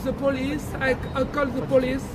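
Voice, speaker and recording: A man's voice: extremely high pitch, completely flat delivery, normal speed. A native French man with a French accent talking insistently on the street, repeating himself. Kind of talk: unscripted conversation in French and halting English. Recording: noisy street stream, crowd and traffic.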